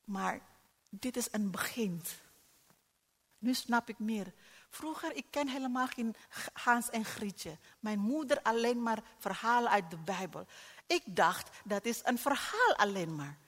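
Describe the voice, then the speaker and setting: A middle-aged woman preaching a sermon, swinging between soft reflection and loud exclamations. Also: a little high, expressive, measured pace. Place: church hall. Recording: long church hall reverb.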